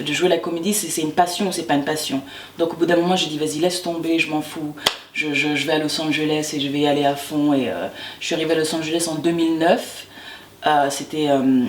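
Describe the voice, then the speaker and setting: Woman from Martinique, 30s, interview guest; chatty and halting, off-mic in a roomy space. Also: deep voice, a little hiss or hum. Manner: chatty, animated, many restarts and repeated words. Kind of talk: casual interview chat. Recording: echoey room, distant mic, faint background.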